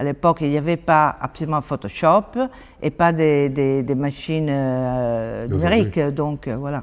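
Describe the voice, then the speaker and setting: A woman speaks slowly-ish, at a fairly slow pace, with an Italian accent. Her very deep, low pitch moves in lively intonation. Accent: Italian, sing-song. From Italy. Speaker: exhibition co-curator. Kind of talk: interview answer.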